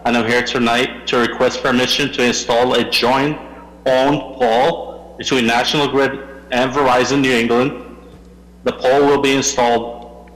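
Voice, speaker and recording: A man's voice: medium pitch, little pitch movement, moderate pace, a bit bright, roomy sound, in a large hall, low-quality recording. A man speaking formally as a utility company representative, his remote call audio fading in through static. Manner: polite, formal, hesitant. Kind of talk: formal petition statement.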